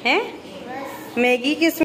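A woman's voice: high voice, slow, a bit bright. A young woman vlogging at home in a chatty, playful way, talking to her pets and family. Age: young adult. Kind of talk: casual home vlog. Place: at home, indoors and on the rooftop. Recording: noisy home phone recording.

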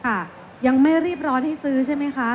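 A woman's voice: high voice, quick pace, faint music behind. A woman moderating a live seminar on stage with a handheld mic, asking polite, conversational questions. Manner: polite, inquisitive. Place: stage at a shopping mall expo, indoors. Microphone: handheld microphone. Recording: noisy live event sound.

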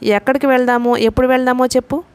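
A woman reading a novel aloud, voicing a middle-aged father who gently scolds his daughter. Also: high-pitched, level tone, fast, natural voice. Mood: reproving. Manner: gently reproving.

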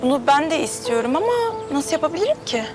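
An actress playing an earnest, excitable young woman, a little sister who loves to draw. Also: high voice, quick pace. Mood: chatty. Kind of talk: TV drama acting. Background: music.

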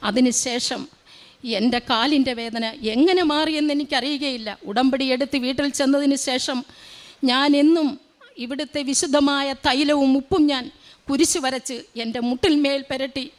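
A woman's voice: high-pitched, fairly even intonation, moderate pace. A middle-aged woman from Kerala giving an earnest church testimony, telling her story with lots of repetition. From Kerala, India.

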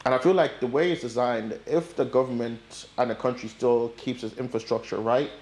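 A young man raised in Ireland talks fast and keeps going, stacking fillers as he chats on a couch. His lapel mic picks him up inside a bare, echoey living room. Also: mid-range voice. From Nigeria, raised in Ireland. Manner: animated, rambling, many fillers. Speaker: guest, forex trader. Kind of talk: casual sit-down interview. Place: bright living room, indoors.

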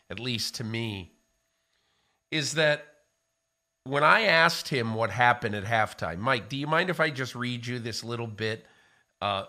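An older man talks football in a casual studio discussion, his voice bright and forward. He speaks in an animated way into a studio mic in a small room. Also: medium pitch. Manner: animated, gestures with hands while talking. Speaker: football analyst co-host. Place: small studio with framed pictures. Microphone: studio mic on boom arm.

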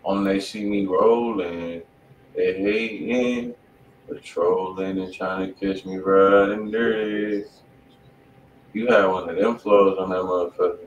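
Brief: lowish male stream co-host, blunt slangy reviewer, sounds distant in an echoey room, faint hum behind. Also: fairly even intonation, unhurried, muffled recording. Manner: blunt, slangy critique with loose asides. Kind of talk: casual live stream chat. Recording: roomy sound, mic at a distance.

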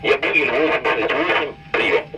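A man's voice: fairly high pitch, normal speed. A man speaking over a ship's radio as a warship radio operator. He talks in terse, clipped, official radio procedure. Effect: heard over a ship's radio. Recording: distant noisy radio transmission.

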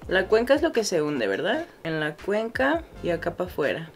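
A woman's voice: lowish voice, sing-song, normal speed, soft background music. Chatty self-mocking Mexican woman. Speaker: beauty vlogger. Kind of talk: casual makeup tutorial chat.

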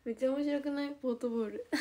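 Soft-spoken young woman with a Nagoya accent. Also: high voice. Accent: Nagoya dialect. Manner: relaxed, chatty, trails off softly at phrase ends. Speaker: idol livestreamer. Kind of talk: casual livestream chat with viewers.

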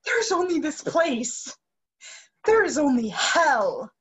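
A young woman playing a defiant, sorrowful captive singer in a staged reading, formal and deliberate. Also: high-pitched, very animated, heavily acted. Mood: accusing, anguished. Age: young adult. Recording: muffled video call audio.

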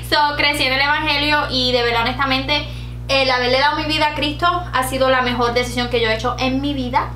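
A woman's voice: high-pitched, bright, forceful tone, roomy sound, slight background noise. A woman in her late twenties with a Puerto Rican Spanish accent, chatting giggly to camera as a beauty vlogger, dropping in English words. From Puerto Rico. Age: late 20s. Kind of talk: casual chat to camera. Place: bright home room with shelves. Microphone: camera at desk distance.

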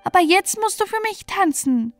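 A woman voicing a spoiled, haughty young princess who talks in a high, demanding, mocking way, in a read-aloud fairy tale. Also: sing-song, normal speed, faint music behind, heavily acted.

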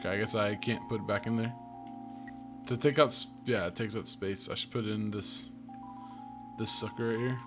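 A man's voice: on the low side, normal speed, pauses often. A man giving casual let's play commentary, muttering wry asides to himself as he goes. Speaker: gaming video host. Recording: game music behind the voice. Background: video game music.

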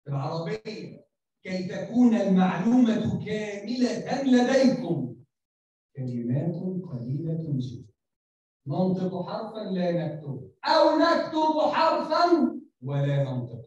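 A woman teaching Arabic to language learners. She lectures slowly and deliberately, spells out letters one by one and keeps checking that her students understand. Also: medium pitch, sing-song, darkish tone, highs cut off. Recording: very echoey room, voice far from the mic.

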